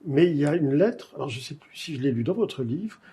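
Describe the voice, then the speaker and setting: A man hosting a literary interview, asking measured, digressive questions with frequent hesitations. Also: fairly high pitch, animated, warm tone. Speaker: literary talk show host. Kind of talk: cultured interview conversation.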